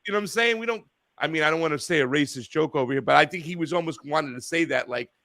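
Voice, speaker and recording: A man hosting a call-in talk show, chatting casually, rambling and profane, getting loud and animated when he rants. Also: on the high side, fast, no room sound, studio quality. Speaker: radio show host.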